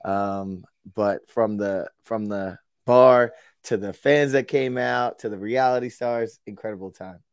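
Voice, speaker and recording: A man's voice: lowish voice, unhurried, clean tone, no room sound. Easygoing male co-host, dry sound. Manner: easygoing, joking, storytelling. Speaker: podcast co-host. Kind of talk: casual podcast chat.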